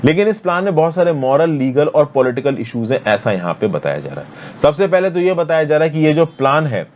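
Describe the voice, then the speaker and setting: A man's voice: on the high side, sing-song, brisk, darkish tone, highs cut off, a little hiss or hum. A man from India teaching an exam-prep lesson on current affairs in casual Hindi mixed with English terms, checking in with his students often. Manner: explains with map, frequent "thik hai na". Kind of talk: exam-prep editorial explainer.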